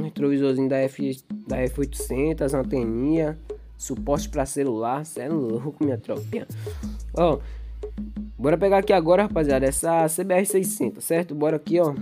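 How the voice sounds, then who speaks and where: A young Brazilian man with a Brazilian Portuguese accent casually narrating his gameplay, rambling in street slang and hyping up his viewers. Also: mid-range voice. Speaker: gaming YouTuber. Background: game music.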